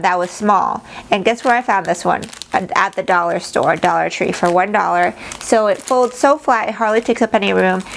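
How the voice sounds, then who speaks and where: A woman's voice: mid-range voice, vocal fry, a little hiss or hum. A woman giving a casual, chatty show-and-tell as a travel vlogger, explaining things informally to camera.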